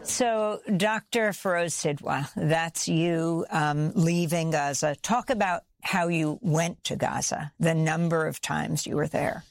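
A woman hosting a news interview show in a studio, introducing clips and asking direct, brisk questions. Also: deep voice.

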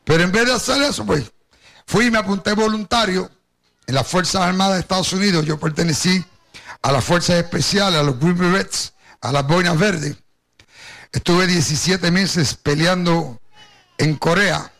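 A man's voice: high voice, moderate pace, gravelly, a bit bright. An older man from Puerto Rico with a Caribbean Spanish accent tinged with Cuban, preaching a personal testimony and addressing his congregation directly as he tells his story. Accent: Caribbean Spanish, Puerto Rican with Cuban influence.

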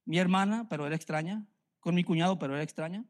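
This sermon comes from a middle-aged pastor from Mexico with a Mexican Spanish accent, who preaches earnestly and at a quick pace. His voice is high, and he leans on repetition for emphasis.

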